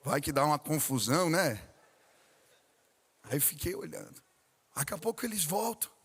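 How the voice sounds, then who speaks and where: A Brazilian man preaches a sermon, his voice sitting a little high for a man. He tells stories with lively delivery and asks the congregation questions. The sound rings with the long reverb of a large church hall. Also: moderate pace, husky. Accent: Brazilian Portuguese. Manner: animated storytelling with questions to the congregation. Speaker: pastor. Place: church sanctuary.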